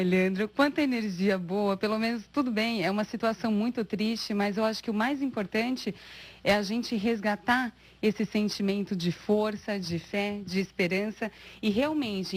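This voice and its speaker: A woman interviewing a patient and his wife, asking measured, caring questions. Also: mid-range voice. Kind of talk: TV health interview.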